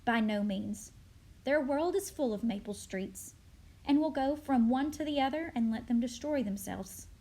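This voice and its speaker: Woman reading a calm, high-voiced alien conqueror. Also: normal speed. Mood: cool, calculating. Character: calm, calculating alien conqueror, coolly contemptuous. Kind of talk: dramatic script reading.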